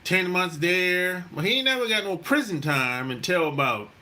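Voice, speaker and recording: A high-pitched man with lively intonation speaks at a moderate pace, his tone pushed and bright. He is a middle-aged South Carolina podcast host telling a loose, swearing-filled story full of "you know."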